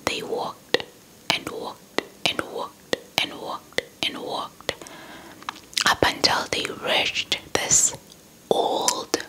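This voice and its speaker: A young woman from South Africa whispering a folktale in ASMR style close to a small microphone, deliberate and repeating words. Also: low-quality recording. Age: young adult. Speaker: ASMR storyteller. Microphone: small handheld mic held close to the mouth.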